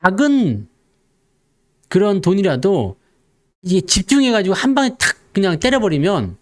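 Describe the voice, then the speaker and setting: With a high-sitting voice that swings widely in pitch, a man speaks at normal speed about stocks in a joking, casual style. He's playful, putting on investors' voices and kidding around with viewers.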